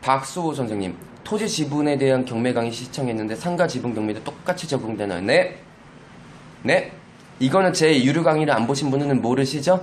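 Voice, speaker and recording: With audible room echo, a man speaks at a fairly high pitch in an animated tone with lively intonation. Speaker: real estate auction author and lecturer. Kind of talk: live Q&A lecture. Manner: fast.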